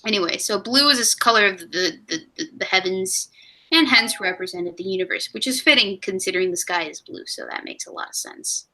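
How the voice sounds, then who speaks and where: A woman's voice: medium pitch, lively intonation, brisk, bright, forceful tone, low-quality recording. A woman in her twenties hosting a casual live stream, rambling and laughing at herself. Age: 20s. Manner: giggly, rambling, self-mocking. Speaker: stream host.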